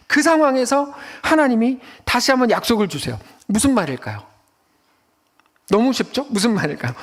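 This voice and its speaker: A male pastor giving a Sunday sermon in a church, in a lively conversational way with acted-out quotes. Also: high voice. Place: church sanctuary.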